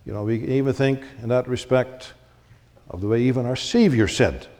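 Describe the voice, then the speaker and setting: A male preacher giving an earnest, emphatic sermon with pauses and shifts of pace, in a church. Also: medium pitch, a little mellow, long reverb tail.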